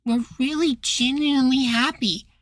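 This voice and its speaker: A man acting a sweet, anxious, devoted young boywife in a soft, pleading ASMR roleplay. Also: very high voice, steady tone, normal speed. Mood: gentle, firm.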